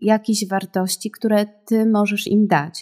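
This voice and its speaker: A woman's fairly high voice at a very slow pace over a quiet background. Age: 30s. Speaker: creative writing trainer and theatre professional, business owner; creative writing trainer. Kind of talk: interview conversation. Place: home room. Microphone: earbuds.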